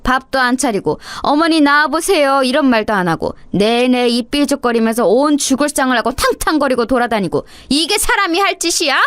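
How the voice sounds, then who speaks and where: A woman voicing a furious older mother-in-law who shouts and berates her daughter-in-law in coarse words. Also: high voice, animated, a little fast, hardly any pauses, dry recording. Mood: raging scold. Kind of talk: dramatized story reading.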